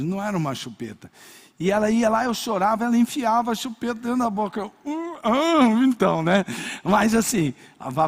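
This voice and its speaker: An older man with a Brazilian accent preaching a sermon, telling personal stories in a lively way and acting out little scenes. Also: high voice, big-room sound. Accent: Brazilian Portuguese. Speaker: pastor.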